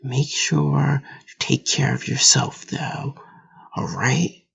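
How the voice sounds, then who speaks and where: A man playing a friendly, concerned office coworker with a breathy voice in an amateur audio drama. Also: medium pitch, takes it slowly, fairly bright tone, in a whisper, dull audio, heavily acted. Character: friendly, concerned male office coffee runner.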